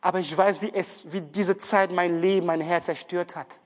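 A man preaching an emotional testimony, earnest and pleading, often stumbling and restarting his words. His voice sits high for a man. It rings out with a long reverb, as in a church hall. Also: steady tone, moderate pace.

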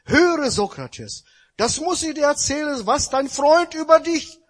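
An excited young man, eager and loud, rushes to tell what he heard, as a preacher acts him out. The voice is high and husky, jumping around in pitch. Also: heavily acted.

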